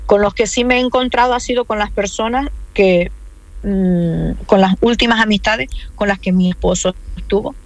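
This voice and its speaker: A woman's voice: mid-range voice, normal speed, no echo, low-quality recording. A woman in an interview telling her own story, earnest and insistent, repeating key points. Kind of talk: emotional personal account.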